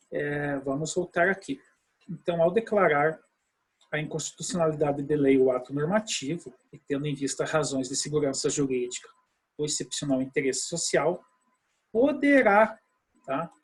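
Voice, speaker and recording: A man's voice: a little high, breathy edge, poor audio. A man teaching a law lesson online, explaining step by step and often checking in with his students. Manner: explanatory, with many tag questions to students. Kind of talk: online video lecture.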